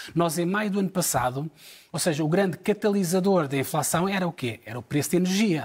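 A man with a high pitch talks fairly quickly, his intonation lively. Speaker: economics commentator. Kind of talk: TV news analysis.

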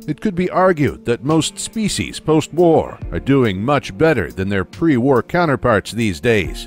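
A man speaks at a fairly slow pace with hardly any pauses and very wide pitch swings, music playing in the background. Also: medium pitch for a man. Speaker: narrator, guest storyteller. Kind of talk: documentary narration.

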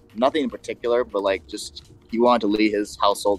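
Faint music plays in the background as a man speaks. His voice sounds dry with no echo, and his pace is moderate. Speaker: remote guest. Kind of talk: interview answer. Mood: calm, reflective testimony. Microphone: video call.

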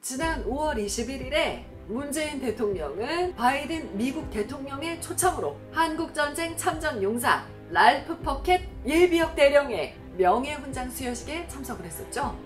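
A woman's high-pitched, lively voice at a fairly slow pace, with clear music in the background. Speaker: policy fact-check show host / announcer. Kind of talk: upbeat explanatory policy narration to camera. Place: home room.

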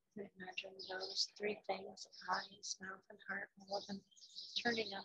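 At a fairly slow pace, a voice speaks in a soothing, calm tone over a quiet background. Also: woman. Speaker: yoga teacher. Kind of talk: guided meditation. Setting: outdoors recording. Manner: slow, soothing, calm and gentle with pauses. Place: garden. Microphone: earbuds.

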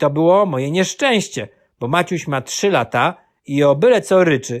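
A man's high-pitched voice, animated and playful in tone, at a moderate pace over a very clean recording with a silent background. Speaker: audiobook narrator. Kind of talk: dramatic narration, reading aloud a children's story with voiced characters. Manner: animated, playful boyish storytelling; shifts tone between characters: scolding mother, chatty aunt.

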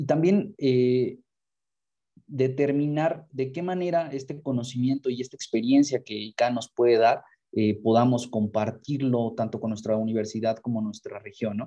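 Against a quiet background, a man talks at a moderate pace in a dark, mellow tone, his medium pitch showing ordinary variation. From Mexico. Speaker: former program fellow. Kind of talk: webinar talk. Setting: video call. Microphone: earbuds.

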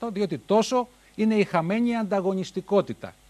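Speaking fairly slowly, a man uses a high pitch. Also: quiet background. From Greece, Patras; Greece. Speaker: economics professor; interview guest. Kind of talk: interview; interview answer. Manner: halting. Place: studio. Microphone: lapel.

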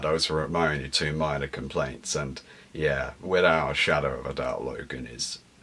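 A man with a British accent speaks at a moderate pace against noticeable background noise. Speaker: vlogger. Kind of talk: vlog monologue. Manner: casual, conversational.

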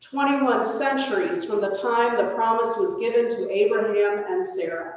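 A woman speaks in a high voice at a fairly slow pace. Her pitch swings very widely, and the room echo is strong. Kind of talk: liturgical reading. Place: church.

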